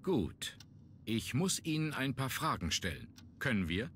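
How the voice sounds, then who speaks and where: An actor playing a businesslike police inspector in a video game, inquisitive and matter-of-fact. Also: male voice, mid-range voice, very animated, a little slow, a bit bright, slight background noise. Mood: probing. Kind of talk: German video game voice acting.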